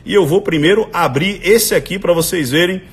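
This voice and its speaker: A Brazilian man giving excited live commentary as a body language analyst, breaking into sudden shouts. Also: sits high, moderate pace. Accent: Brazilian Portuguese.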